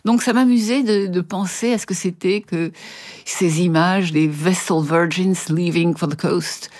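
Casting: female translator guest, lowish voice, articulate and lively in her anecdotes. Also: unhurried. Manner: articulate, lively storytelling with hesitations. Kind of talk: reflective interview answers.

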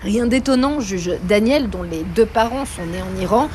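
A woman reporter narrating a news report in a measured, even way. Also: mid-range voice, noisy background.

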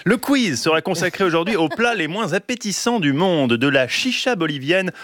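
A man hosting a radio food show, reading smooth links and asking the guest questions. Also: high voice, lively intonation, normal speed, a bit bright, no echo, studio quality. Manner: smooth scripted links, short backchannels. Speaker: radio host.

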